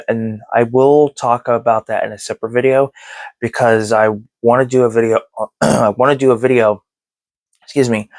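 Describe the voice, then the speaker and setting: A man's voice: on the low side, no room sound. A man in his thirties hosting a movie review channel, chatting casually to his viewers with lots of fillers. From born in Texas, raised in Germany and Florida. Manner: rambling, many fillers. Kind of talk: casual talk to camera.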